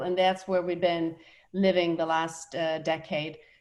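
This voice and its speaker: This woman speaks with a slight Swedish accent at a fairly slow pace. Her intonation is fairly even. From Sweden. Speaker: company founder. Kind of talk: event speech. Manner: hesitant, many fillers.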